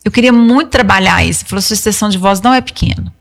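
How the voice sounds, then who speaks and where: A woman's voice: mid-range voice, rapid-fire, gravelly. Brazilian woman in a long reverberant space. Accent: Brazilian Portuguese. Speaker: singer being interviewed. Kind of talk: casual interview storytelling.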